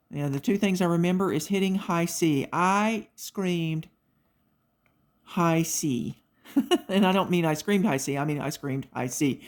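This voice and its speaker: A middle-aged woman hosting a craft video, chatting casually and telling stories while she works on a diamond painting. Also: low-pitched. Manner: chatty, animated storytelling with quoted voices.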